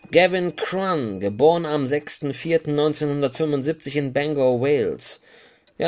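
A man's voice: a little high, a little mellow. A man playing a cautious, grumbling chief inspector in a German crime audio drama, official and a little hesitant.

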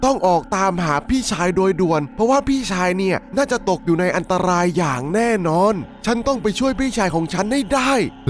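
High-voiced, animated male storyteller. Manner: conversational, addresses listeners with frequent polite particles. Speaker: storyteller, channel host. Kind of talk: dramatic horror story recap narration.

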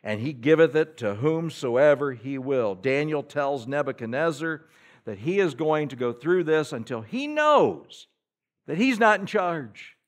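Animated preaching man, swinging volume. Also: high voice. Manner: preaching with rhetorical questions and dramatic swings in loudness; reads scripture aloud in King James wording. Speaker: pastor. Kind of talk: sermon. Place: church sanctuary.

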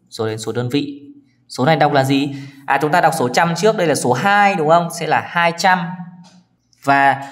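A man teaching a children's math lesson, counting patiently step by step and often checking in with his pupils. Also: a little high.

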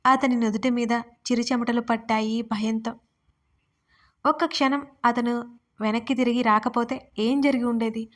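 A woman storyteller reading a romance story aloud in steady, even scripted narration. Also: a little high, normal speed.

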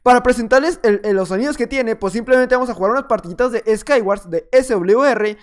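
A man narrates his own gaming session in a loose, chatty way. He jokes around, trails off now and then and taunts his rivals. His tone stays relaxed and unscripted. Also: very high-pitched, a little fast. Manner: playful, rambling, teasing opponents. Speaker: gaming video creator. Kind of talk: casual gameplay commentary.

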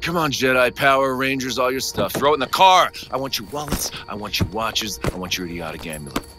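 An actor playing a cocky, smooth-talking armed robber in an audio drama, taunting his victims. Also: medium pitch, animated, fairly quick, natural voice. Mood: angry, commanding. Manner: taunting, swinging from casual to shouting. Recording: loud music bed behind.

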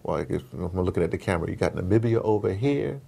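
A creaky, low-pitched man talks quickly as an interview guest, offering fervent, casual political views peppered with slang and rhetorical questions. He spins animated, emphatic stories and acts out the dialogue.

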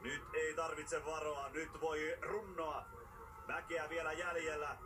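A man calls a ski sprint live, his voice sitting a little high. It sounds captured from a distance, with clear noise under the broadcast. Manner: rising excitement at race finishes. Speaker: play-by-play commentator. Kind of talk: live sports commentary.

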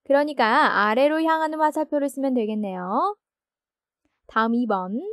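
A woman's voice: high voice, normal speed. A woman teaching an English grammar lesson, explaining patiently and often asking check questions.

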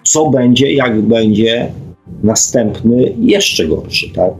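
A man's voice: mid-range voice, expressive, takes it slowly, faint music behind, low-quality recording. A middle-aged man from Poland hosting an unscripted radio talk in a reflective, hesitant manner, often ending phrases with a questioning tag. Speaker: radio host. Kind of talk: unscripted radio monologue, reflecting and reading listener comments.

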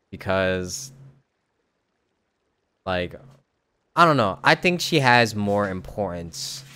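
A young man doing casual live game commentary as a streamer, informal and slangy, with a halting delivery. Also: sits low, a bit bright, a little hiss or hum.

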